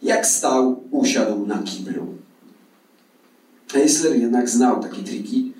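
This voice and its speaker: A man's voice: medium pitch, slow pace, darkish tone, a little hiss or hum. A male actor reading a novel aloud at a live event, telling it with a wry, ironic touch. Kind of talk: dramatic literary reading. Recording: echoey hall from far off.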